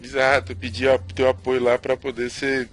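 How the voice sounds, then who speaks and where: A man co-hosting a podcast, chatty and friendly, with a mid-range voice. He keeps dropping in little fillers, and soft music plays faintly behind him. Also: medium pitch, level tone, moderate pace. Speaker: podcast co-host. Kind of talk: casual podcast chat.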